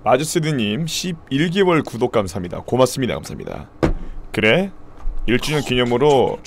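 A man streaming live with a hoarse voice, chatting casually and thanking subscribers. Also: medium pitch, very animated, moderate pace, noisy background.

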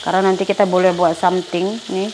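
A woman's voice: fairly low pitch, level tone, fast talker. Middle-aged woman, cooking vlogger, tinged speech, chatty, talks straight to viewers, light kitchen noise. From Indonesia. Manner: chatty, addresses viewers as pemirsa. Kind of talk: casual chat while cooking. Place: home kitchen.

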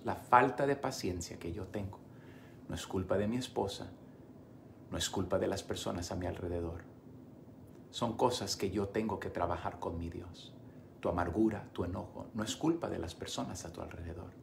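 A man's voice: low-pitched, moderate pace, gravelly, slight background noise. A man preaching a sermon as pastor, earnest and speaking straight to his listeners. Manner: earnest, direct address to listeners.

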